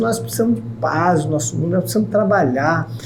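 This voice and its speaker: At a moderate pace, a man with a fairly high pitch and very wide pitch swings speaks amid audible room echo and noticeable background noise. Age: 60s. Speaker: city councillor and social worker. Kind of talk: interview.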